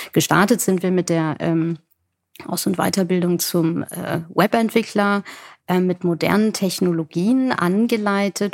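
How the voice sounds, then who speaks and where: In a very clean recording with a silent background, a woman with a normal speaking voice and medium pitch talks at a fairly slow pace, the sound dry and close with no echo. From Germany. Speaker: entrepreneur. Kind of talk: interview.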